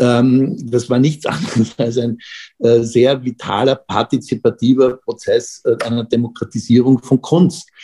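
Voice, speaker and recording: A man's somewhat breathy, medium-pitched voice in a dark, mellow tone, at a very slow pace with ordinary pitch variation. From Austria, Vienna. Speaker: gallery owner and former magazine editor. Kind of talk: interview. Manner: halting, many fillers.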